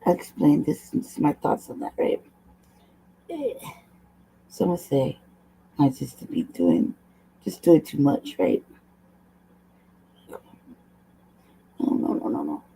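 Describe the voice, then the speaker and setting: A woman host with a low, hoarse voice, chatting casually at a desk mic, rambling, laughing often and swearing. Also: big pitch swings, slow pace, pauses often, warm tone, a little hiss or hum, rough recording. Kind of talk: casual livestream talk.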